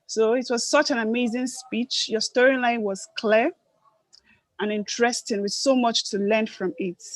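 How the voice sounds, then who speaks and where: A woman with a soft, quiet voice gives a gently encouraging speech evaluation at a club meeting. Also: fairly even intonation, moderate pace, dry recording, poor audio. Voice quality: soft, low-volume voice. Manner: gently encouraging, self-correcting.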